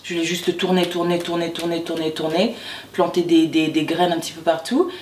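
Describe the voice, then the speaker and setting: A woman's voice: lowish voice, brisk, a little hiss or hum. Chatty woman from Martinique, echoey room. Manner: chatty, animated, many restarts and repeated words. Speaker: actress, interview guest. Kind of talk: casual interview chat. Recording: echoey room, distant mic, faint background.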